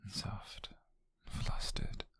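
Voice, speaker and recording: A man voicing a tender, flirtatious witch on a date in an ASMR roleplay, with a British accent and a soft, breathy, gravelly whisper. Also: no room sound. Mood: teasing, affectionate. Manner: soft, intimate, slow and hesitant.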